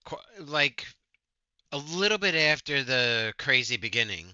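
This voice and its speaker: Bright-voiced laid-back man on a dull mic. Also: medium pitch, lively intonation, a little slow, clean tone, dry recording. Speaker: podcast co-host. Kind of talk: casual chat.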